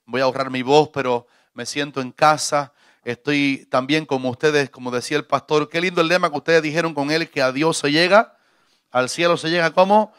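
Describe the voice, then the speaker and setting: A man's voice: a little high, brisk, fairly bright tone, smooth, dry recording, studio quality. A middle-aged man from Cuba, a visiting pastor preaching a jovial sermon in church on a handheld mic. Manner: jovial, preacherly, joking with congregation.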